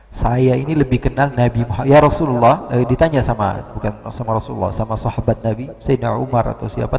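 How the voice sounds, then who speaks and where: A man with an Indonesian accent preaching a lively, humorous sermon, storytelling with acted quotes. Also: mid-range voice, gravelly. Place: large mosque hall. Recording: reverberant hall.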